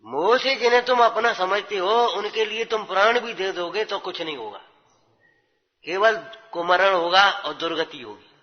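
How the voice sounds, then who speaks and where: A man's voice: sits high, normal speed. A man giving a religious scripture sermon, exhorting his listeners and checking their understanding with rhetorical questions. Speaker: religious teacher. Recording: dull lo-fi with long hall reverb.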